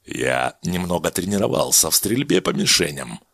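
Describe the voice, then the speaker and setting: Guy playing a cold calm doctor, husky, clipped orders, dry close sound. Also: sits low, no room sound, heavily acted. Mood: matter-of-fact. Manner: measured, clipped, commanding. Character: cold, calm male doctor, quietly menacing.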